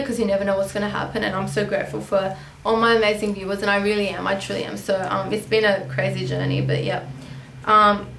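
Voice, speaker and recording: A young woman sits in her bedroom answering viewer questions, rambling along with plenty of ums and restarts. She grew up in Australia, and Armenian is her first language. Her pitch sits mid-range, and the small room adds a clear echo. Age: young adult. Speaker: beauty vlogger. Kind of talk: casual Q&A chat.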